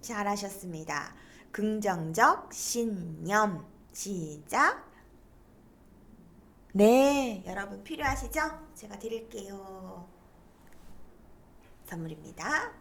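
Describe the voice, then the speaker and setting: A woman's voice: medium pitch, lively intonation, slow pace, creaky, pauses often, fairly bright tone. A middle-aged woman giving a lecture, explaining terms and leading students to read aloud together. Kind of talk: online lecture on stress coping.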